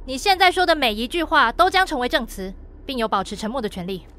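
An actress plays a fiery young policewoman in a radio drama. Her voice is high, sharp and forceful as she speaks with brisk authority. Faint noise sits behind it. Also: very animated. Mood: firm, official. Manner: brisk, commanding, official. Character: hot-blooded young rookie female police detective. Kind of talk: Mandarin radio drama acting.

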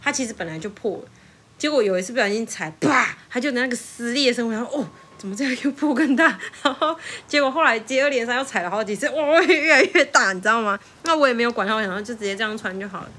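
A woman's voice: on the high side, fast. A young woman with a Taiwanese Mandarin accent, chatting casually and telling stories with frequent laughter. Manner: animated storyteller who laughs often. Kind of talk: casual chat.

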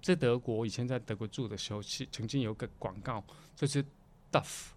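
A man speaks in a medium-pitched voice. He talks casually as a guest, circling back over phrases and restarting often. English words slip into his sentences. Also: a little hiss or hum. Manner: halting, repetitive, mixing English words into Mandarin. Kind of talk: casual conversational interview.

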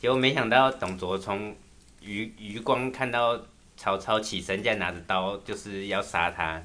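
A man adding to a casual retelling of a classic story, in a measured, explaining way. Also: fairly low pitch, pushed and bright.

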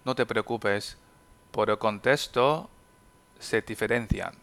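Man, native Chinese speaker, podcast language teacher; very slow, careful, patient delivery. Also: fairly low pitch, creaky, fairly bright tone. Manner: slow, careful enunciation of example sentences.

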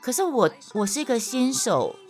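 Young woman, Taiwanese Mandarin accent, casual storyteller host; animated, pitch spikes high on emphasis, soft music bed. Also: moderate pace. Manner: animated, emphatic, voice jumps high when worked up.

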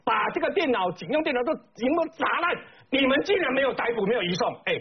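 Speaking at a quick pace in a very high, slightly rough voice, a male political commentator with a Taiwanese Mandarin accent is very animated. His indignant talk show commentary is full of emphatic rhetorical questions, and the broadcast sound is slightly dull.

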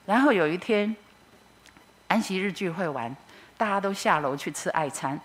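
A middle-aged woman with a Taiwanese Mandarin accent, giving a personal testimony at church as an expressive storyteller. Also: fairly low pitch, normal speed.

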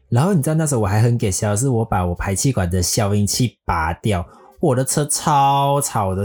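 A man telling a scripted personal story in a lively way, dropping English words into his sentences. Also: mid-range voice. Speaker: storyteller recounting a motorbike trip. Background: faint guitar music.

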